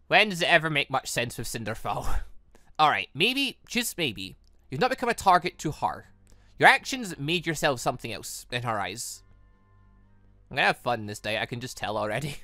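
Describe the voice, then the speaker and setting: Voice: medium pitch, no echo, studio quality. A gaming video host reading visual novel dialogue aloud and breaking off into offhand commentary. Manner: animated, breaks off into asides and stumbles while reading.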